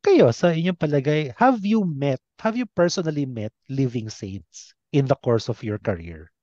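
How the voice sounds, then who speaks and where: A man with a Filipino accent hosting a casual interview, earnest and a little halting as he forms his thoughts. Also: mid-range voice, animated, darkish tone, no echo, highs cut off. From Philippines. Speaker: interview host. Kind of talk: casual conversational interview, mixing two languages.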